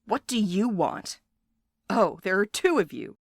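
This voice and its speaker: A woman's voice: medium pitch, sing-song, a little slow, dry recording, studio quality. An actress playing an irritable, overworked, officious female boss in an audio drama, snappish and griping. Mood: annoyed.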